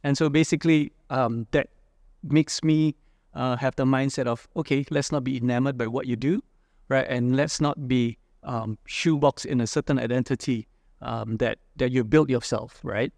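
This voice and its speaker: A man's voice: medium pitch, steady tone, normal speed, gravelly, a little mellow, no room sound, clean studio sound. A man from Indonesia, an entrepreneur being interviewed, talking reflectively with many fillers and "right?" tags. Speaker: entrepreneur guest. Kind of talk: casual interview talk.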